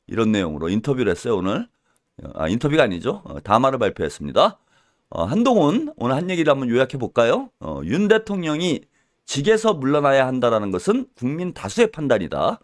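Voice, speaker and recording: A man's voice: mid-range voice, no room sound, studio quality. A man giving a solo political commentary, heated and scolding, with mocking insults and little acted-out dialogues. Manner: acts out little mock dialogues.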